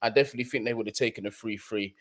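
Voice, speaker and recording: A man's voice: lowish voice, rapid-fire, fairly bright tone. A young man from London with a London accent, hosting a live football stream in slangy, chatty talk and often repeating his points. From London, England. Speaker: football channel host. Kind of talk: casual live-stream chat.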